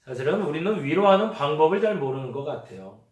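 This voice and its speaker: A man's voice: on the high side, animated, fast talker. A male pastor preaching a conversational sermon, acting out everyday remarks as he goes. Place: church sanctuary. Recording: echoey church hall, mic at a distance.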